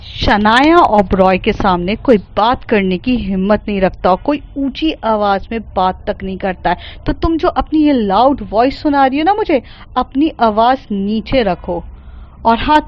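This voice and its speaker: A woman's voice: a little high, moderate pace, lo-fi sound, natural voice. A woman voicing an arrogant, spoiled rich young woman who speaks dismissively and condescendingly. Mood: haughty.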